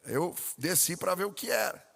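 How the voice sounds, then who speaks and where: A Brazilian man preaches a sermon, his voice sitting a little high for a man. He tells stories with lively delivery and asks the congregation questions. The sound rings with the long reverb of a large church hall. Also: normal speed, vocal fry. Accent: Brazilian Portuguese. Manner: animated storytelling with questions to the congregation. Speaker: pastor. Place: church sanctuary.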